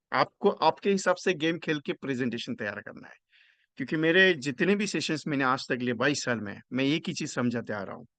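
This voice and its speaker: A man's voice: fairly high pitch, bright, forceful tone, dry recording. A man teaches insurance agents in an online session. He mixes into his explanations, repeats key phrases and quizzes his listeners on the numbers. The sound is dry and close. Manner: works through numbers step by step, asking the audience questions. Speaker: insurance sales trainer.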